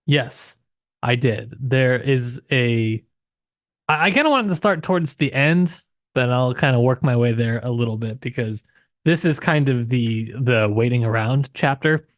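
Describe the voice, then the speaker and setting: A man's voice: medium pitch, expressive, a little slow, no room sound, clean studio sound. A man co-hosting a podcast, discussing a book casually and reflectively, often searching for his words. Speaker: podcast co-host.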